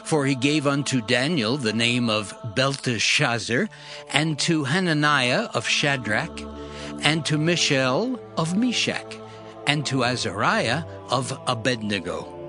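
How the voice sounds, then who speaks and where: A man narrating dramatized scripture in a solemn, measured, formal manner. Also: mid-range voice, lively intonation, bright, forceful tone. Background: background music.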